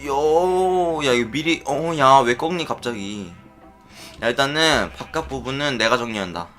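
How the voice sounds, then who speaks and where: A man giving excitable play-by-play commentary on his Minecraft minigames, often chanting and shouting as he plays. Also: mid-range voice, unhurried, soft background music. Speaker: gaming YouTuber.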